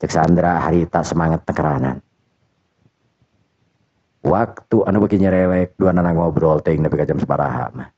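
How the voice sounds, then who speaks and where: Deep-voiced male folk storyteller. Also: normal speed, pauses often, dry recording. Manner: rambling, self-correcting storytelling. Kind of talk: folk tale narration. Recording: dull dry lo-fi recording.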